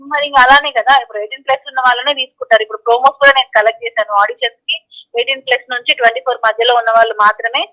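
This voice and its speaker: A woman's voice: a little high, fairly even intonation, racing, pushed and bright. A woman answering questions in a phone interview, speaking insistently and repeating her phrases. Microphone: phone call. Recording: tinny telephone line.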